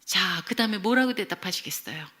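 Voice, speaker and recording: A woman's voice: medium pitch, lively intonation, a little fast, bright, forceful tone. A middle-aged woman professor giving a church lecture, telling stories expressively and often dropping to a near whisper. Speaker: Christian education professor lecturing. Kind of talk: church lecture with acted anecdotes.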